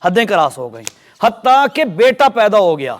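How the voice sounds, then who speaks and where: In a mosque sermon, a man tells a story with lively, animated delivery in a voice that sits high for a man. He often addresses his listeners directly, asking whether they are following along.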